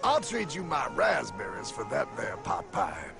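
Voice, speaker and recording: An actor playing a brash, sarcastic streetwise guide who explains things punchily in a cartoon. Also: male voice, medium pitch, huge pitch swings, a little slow, vocal fry, full character voice. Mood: sardonic lecturing. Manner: punchy, sarcastic, calls listener pal. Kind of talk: animated cartoon explainer dialogue. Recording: music behind the voice.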